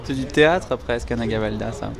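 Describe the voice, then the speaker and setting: A man interviewing a guest for a radio documentary, asking measured questions. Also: mid-range voice, vocal fry, a crowd in the background.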